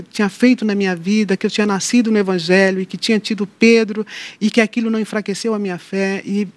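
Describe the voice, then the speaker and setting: Speaking as an interview show guest, this middle-aged mother of an atypical child tells her faith story conversationally, voicing each person's lines with lively energy. Her voice is mid-range and the recording is dry.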